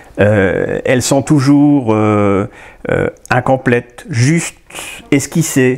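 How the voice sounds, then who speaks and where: Long, frequent pauses break up the very slow pace, with ordinary pitch variation throughout. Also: man, medium pitch for a man. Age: 60s. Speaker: sculptor. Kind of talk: interview. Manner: hesitant, many fillers and repetitions.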